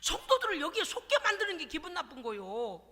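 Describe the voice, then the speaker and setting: Woman pastor, middle-aged, emphatic call-and-response preacher, high lively voice, long church reverb. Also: fairly quick. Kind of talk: sermon. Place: church sanctuary.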